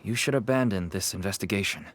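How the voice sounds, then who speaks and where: A man voicing a wily, ingratiating black-market dealer in a video game, smooth-talking and placating. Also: lowish voice, fast talker, a bit bright, slight background noise, natural voice. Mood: earnest, warning. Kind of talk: English video game voice acting.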